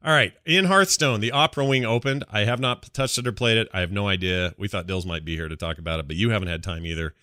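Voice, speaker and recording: A man hosting a casual gaming podcast, rambling along in an animated, colloquial way. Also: lowish voice, quick pace, few pauses, no room sound, studio quality. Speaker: podcast host.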